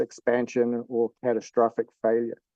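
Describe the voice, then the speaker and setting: A man with a New Zealand accent at a fairly slow pace. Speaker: development worker on water and sanitation. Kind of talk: webinar presentation. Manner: casual, conversational with fillers.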